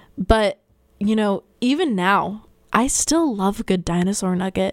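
With a normal speaking voice, a woman talks at a medium pitch and ordinary pitch variation on a very clean recording with a silent background. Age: 20s. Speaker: college radio host. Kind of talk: casual chat. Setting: studio.

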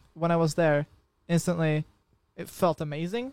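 A man talks at a moderate pace with a Czech accent and a fairly high pitch. The recording is very clean, with a silent background. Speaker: music producer and singer. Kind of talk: casual chat. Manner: animated.

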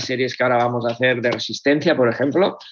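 The man has a plain, everyday voice at a medium pitch. His intonation is fairly even. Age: 50s. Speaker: fitness coach and professor. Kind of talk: interview.

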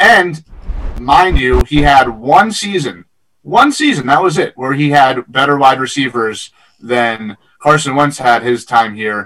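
A man speaks at a fairly slow pace in a plain, everyday voice, his pitch rising and falling in an ordinary way. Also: medium pitch for a man. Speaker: sports talk co-host. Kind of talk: casual sports talk banter.

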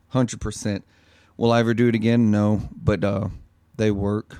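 A man talks at a fairly quick pace in an ordinary speaking voice with a medium pitch. The sound is dry and close with no echo, on a very clean recording with a silent background. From Madison County, US Midwest. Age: 30s. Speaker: strongman athlete. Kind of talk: interview.

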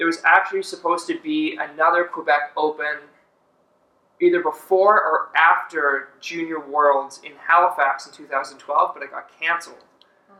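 Delivered at a moderate pace, the bright, sharp voice has fairly even intonation and big swings in loudness. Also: man, high pitch for a man. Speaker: podcast co-host. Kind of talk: casual chat.

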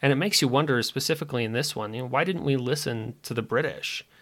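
On a very clean recording with a silent background, a man with a plain, everyday voice speaks at medium pitch with ordinary pitch variation. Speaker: podcast host and writer. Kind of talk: scripted podcast intro and casual conversation.

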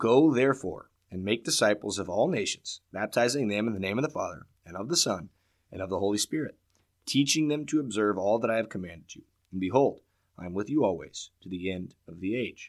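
Using a normal speaking voice, a man talks at a fairly quick pace with fairly low pitch, lively intonation and big swings in loudness. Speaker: podcast co-host. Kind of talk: casual Bible discussion podcast.

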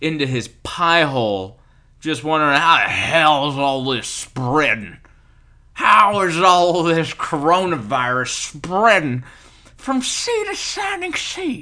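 A put-on character voice at middle pitch and a fairly slow pace. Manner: mocking, gumming, muffled.

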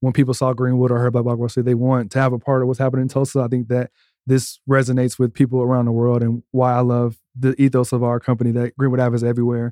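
Very fast and monotone, a man with an American accent speaks at a medium pitch in a dark, mellow tone, his loudness very even and the sound dry and close with no echo. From US Midwest (Decatur, Illinois), then Oklahoma. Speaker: clothing brand owner and designer. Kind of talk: casual interview.

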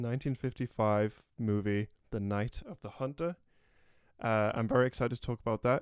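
A man with a northern English accent and ordinary pitch variation, in a very clean recording with a silent background and a dry, close sound with no echo. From northern England. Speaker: podcast host. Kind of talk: casual commentary.

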